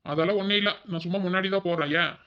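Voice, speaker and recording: Rapid curt cartoon husband, voiced by a man. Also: sits high, pushed and bright, clear, resonant tone, lo-fi sound. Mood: grumpy. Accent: Kongu Tamil. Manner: curt, snapping replies. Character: sulky jealous village husband, curt and grumpy. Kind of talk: cartoon voice acting.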